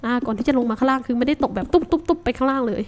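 A woman hosting a survival game let's-play, talking to herself in a chatty, casual way with sudden startled shouts. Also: sits high, racing. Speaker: Minecraft let's-play host.

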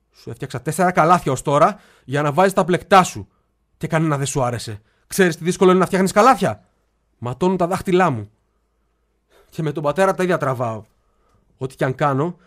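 An actor playing a lonely, childlike young man who moves from hushed confiding to shrill shouting in a stage play for radio. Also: close to an everyday voice. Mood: reproachful.

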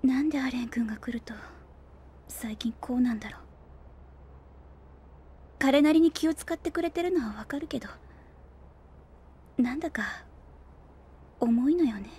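An actress playing a determined, prickly young engineer and little sister in an audio drama, brisk, stubborn and easily exasperated. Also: female voice, high voice, dark tone, a little hiss or hum, natural voice. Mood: pensive, hushed. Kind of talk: Japanese audio drama acting.

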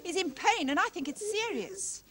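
A woman's voice: very high voice, lively intonation, normal speed, a loud crowd. An actress playing an anxious, fussing nurse who soothes a sick boy in a radio drama. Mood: worried. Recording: noisy old radio play recording.

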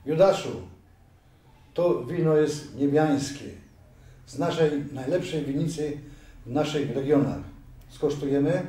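A man voicing a sly, scheming male judge who plots and persuades, with slow, hesitant wheedling, in an amateur audio drama reading. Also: a little high, mellow, natural voice. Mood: ingratiating. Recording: very echoey room, far from mic.

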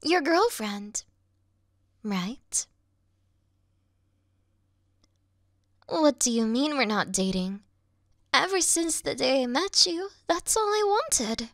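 A woman playing a sweet, clingy young yandere video game girl in a soft, coy, cutesy ASMR roleplay style. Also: high-pitched, very animated, takes it slowly, dry recording, clean studio sound, exaggerated voice. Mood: eerie, possessive.

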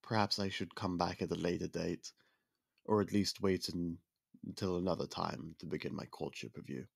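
An actor playing a young prince in an ASMR roleplay, speaking in polite, formal, soft-spoken courtship talk close to the mic. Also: male voice, deep voice, steady tone, normal speed, creaky, breathy edge, no room sound, heavily acted. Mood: courteous.

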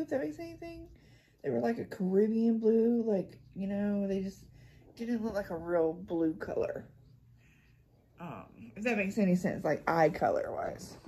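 A middle-aged woman with a husky, creaky voice chatting casually and ramblingly to her phone from a hospital bed. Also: mid-range voice, dark tone, a little hiss or hum. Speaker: vlogger. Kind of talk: casual chat to camera. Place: small hospital room, lying in bed. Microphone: phone at arm's length.

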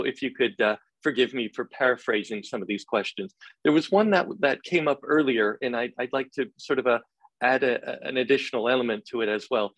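A middle-aged man moderates a webinar panel from an office over a video call. He speaks politely and in a measured way, with some fillers. His voice is mid-pitched and the sound is dry. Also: no room sound, poor audio. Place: office room, indoors.

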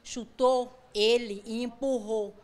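A woman's voice: a little high, fairly even intonation, slow pace, a little mellow. A woman, a mother, recounting in an urgent interview testimony, quoting her son.

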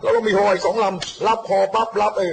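A man talks about politics at a rapid clip, his voice sitting a little high. He is blunt and mocking and slips into quick acted-out snatches of what other people said. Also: fairly even intonation, gravelly, slight background noise. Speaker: guest speaker on politics and the army. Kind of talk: casual political talk.

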